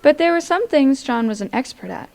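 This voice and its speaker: A woman's voice: sits high, lively intonation, fairly quick, vocal fry, a little mellow. A young woman reading a story aloud to children in a library. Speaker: volunteer storybook reader. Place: public library, indoors.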